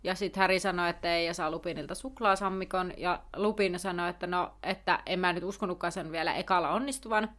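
A woman's voice: fairly low pitch, few pauses. A woman co-hosting a podcast, casually retelling a book chapter in a chatty way full of fillers. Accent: Finnish. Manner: chatty, many fillers, lively summarizing. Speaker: podcast co-host.

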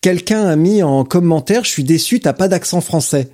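A man in his thirties hosting an interview, teasing his guest in a relaxed, joking way. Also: a little high, moderate pace. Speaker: podcast host, interviewer. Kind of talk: casual interview chat.

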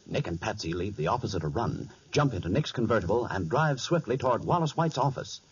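A man's voice: on the low side, big pitch swings, a little fast, over loud music. A man announcing in scripted 1940s radio style with an emphatic, polished selling delivery. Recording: dull, muffled old radio recording.

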